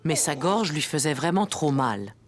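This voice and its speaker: A woman narrating a children's cartoon story in a gentle, expressive and clearly articulated storybook style. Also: low voice, moderate pace. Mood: sympathetic. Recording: music playing behind the voice.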